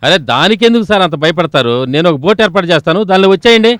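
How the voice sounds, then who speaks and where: A man's voice: high-pitched, animated, very fast, fairly bright tone, dry recording, clean studio sound. A bossy scheming strongman. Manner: bossy, ordering servants. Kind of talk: 1980s film drama.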